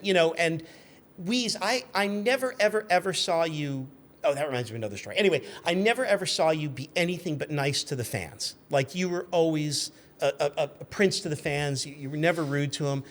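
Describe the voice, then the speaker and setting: Higher-voiced man in his fifties, chatty storyteller. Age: 50s. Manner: chatty, acts out quoted shouts. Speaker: podcast guest, magazine editor. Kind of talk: animated anecdote storytelling.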